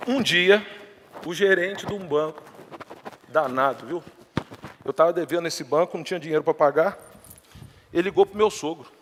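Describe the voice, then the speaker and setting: A middle-aged Brazilian man from the Minas Gerais countryside speaks on stage, his voice pitched high and ringing out through a large hall with a long reverb. He tells his story to the crowd in a chatty, anecdotal way, acting out the dialogue he quotes. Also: normal speed, long pauses, a little hiss or hum. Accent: Brazilian Portuguese, countryside Minas Gerais. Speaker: entrepreneur giving a talk. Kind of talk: motivational storytelling talk to a live audience.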